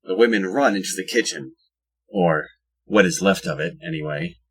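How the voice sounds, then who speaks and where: Low, husky male narrator. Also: sing-song, moderate pace, fairly bright tone. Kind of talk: scripted audio drama narration, with wry asides.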